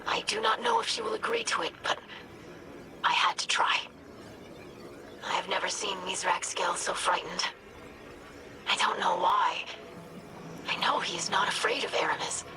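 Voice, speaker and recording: A woman voicing an earnest, thoughtful young alien scribe with a breathy voice in a video game. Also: medium pitch, very animated, normal speed, long pauses, in a whisper, far from the mic. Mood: anxious, earnest. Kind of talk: dramatic video game voice acting.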